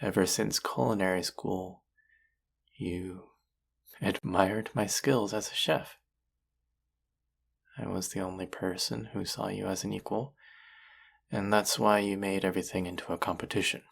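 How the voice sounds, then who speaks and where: A young male chef played by a man in an intimate audio drama, combative and exasperated yet earnest underneath. His voice is deep and heavy with gravelly fry. He speaks slowly, with halting, emotive pauses. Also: fairly even intonation, exaggerated voice. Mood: intent, assured. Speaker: voice actor in audio roleplay.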